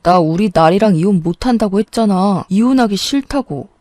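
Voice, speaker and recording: A woman voicing a desperate young husband who pleads tearfully, in a warm, dry voice. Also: medium pitch, animated, moderate pace, no room sound, lightly acted. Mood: anguished.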